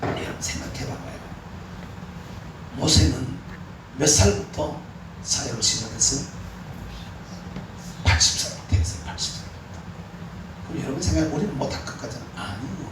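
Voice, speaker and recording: A man preaching a sermon as pastor, exhorting with animated, emphatic peaks. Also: medium pitch, normal speed, long pauses. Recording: echoey hall, mic far off, faint room noise.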